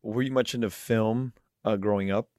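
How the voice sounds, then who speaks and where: A man in his forties hosting a podcast interview, asking relaxed, musing questions. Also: lowish voice, moderate pace, dry recording, clean studio sound. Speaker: podcast host. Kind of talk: conversational interview.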